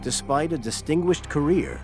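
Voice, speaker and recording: Lively male documentary narrator over music. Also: fairly high pitch. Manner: measured, dramatic storytelling. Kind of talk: scripted narration. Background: loud music score.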